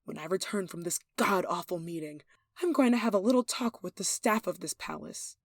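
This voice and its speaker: A woman's voice: on the low side, lively intonation, fairly quick, dry recording. A woman acts out a domineering young noblewoman in an intimate audio roleplay. She is haughty, jealous and possessive, handing down clipped commands as someone used to being obeyed. The recording is dry and close, with no room sound. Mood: possessive, menacing. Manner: imperious, indignant, sighing, clipped commands. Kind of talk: yandere ASMR roleplay acting.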